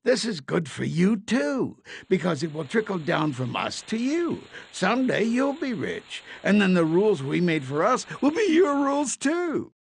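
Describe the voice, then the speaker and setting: A man's voice: high-pitched, big pitch swings, normal speed, vocal fry, hardly any pauses, slightly rough, dry recording, pitched above the performer's own voice, heavily acted. An older American man voicing a smug, scheming rich man in a storybook, with an exaggerated, condescending and accusing manner. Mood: falsely reassuring. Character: smug, scheming rich men deflecting blame.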